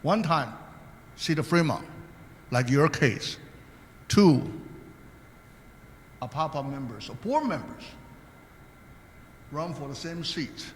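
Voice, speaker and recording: Older panel guest, earnest and anecdotal, slightly high voice, recorded in a reverberant hall. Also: male voice, big pitch swings, slow pace, pauses often. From Taiwan. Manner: earnest, anecdotal, with hesitant restarts. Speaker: guest speaker, state commissioner. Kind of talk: panel talk answering questions.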